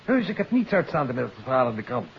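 An actor playing an evasive, nervous suspect in a 1950s radio drama, defensive and indignant. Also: male voice, mid-range voice, very animated, quick pace, creaky, slightly rough, heavily acted. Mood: agitated, indignant. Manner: defensive, agitated. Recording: muffled 1950s radio recording with hiss.

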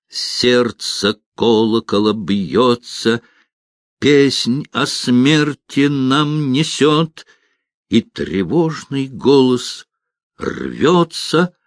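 A man voicing an excitable young male bard who declaims ominous lines theatrically, in a dry audiobook reading. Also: medium pitch, no echo, full character voice.

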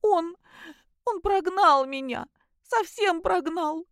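A woman reading aloud and voicing a sobbing, furious young married daughter, in a shrill, high and outraged tone. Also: animated, normal speed, dry recording, clean studio sound. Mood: tearful.

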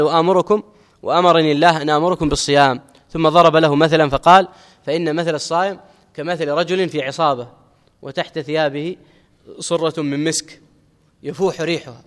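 A middle-aged man teaching an Islamic religious lesson, explaining a text and quoting scripture, with measured teaching and key phrases repeated for emphasis. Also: on the high side. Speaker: Islamic scholar teaching hadith commentary. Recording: long hall reverb.

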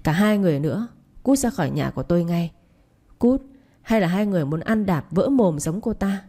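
Casting: woman reading an enraged young wife, harsh and commanding, low mellow tone, storybook read. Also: lively intonation, fairly quick. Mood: furious. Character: furious young wife throwing out her cheating husband.

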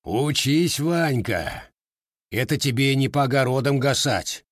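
A gruff, growling old Cossack grandfather, as a man puts him on for an audiobook. His voice is stern and curt, recorded dry and close. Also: medium pitch, expressive, a little slow, no room sound, pitched above the performer's own voice.

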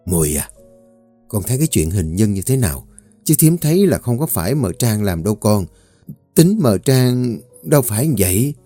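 A man voicing an older woman cook who mutters gossip in a low, hushed voice. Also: sing-song, normal speed, soft background music.

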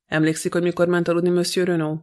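A man reading an audiobook, voicing a stern, impatient male magistrate who questions briskly. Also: high-pitched, completely flat delivery, a little mellow, natural voice. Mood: questioning.

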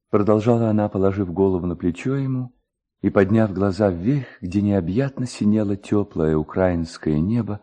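Low, mellow male literary narrator. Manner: expressive, lyrical, measured. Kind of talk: dramatic scripted narration of classic prose.

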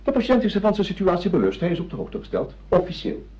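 An actor playing a self-assured, officious doctor who lectures theatrically in a radio drama. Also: male voice, high voice, wildly swooping pitch, fast talker, mellow. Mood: insistent, declamatory. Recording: dull lo-fi radio drama recording.

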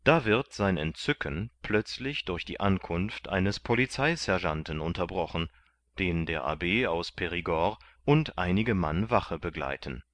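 A man reading a classic novel aloud as narrator, measured and deliberate, voicing the characters. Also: low-pitched, animated, a bit bright. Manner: slow, measured, puts on voices for characters. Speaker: audiobook narrator. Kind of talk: scripted literary narration.

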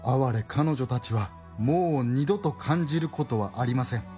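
A formal, theatrical storyteller narrating a radio drama in a mid-pitched voice. Clear music plays behind the narration. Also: animated, moderate pace, warm tone.

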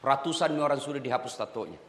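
Male preacher with a Makassarese Indonesian accent, bright voice, echoing hall. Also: mid-range voice, fast. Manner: animated, acts out dialogue, shifts voice sharply. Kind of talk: sermon to prison inmates.

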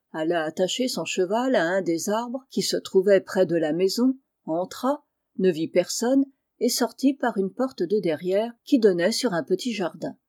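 A woman reading a classic children's novel aloud in a measured, even storytelling manner. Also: mid-range voice, no echo, studio quality. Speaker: audiobook reader. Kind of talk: scripted narration.

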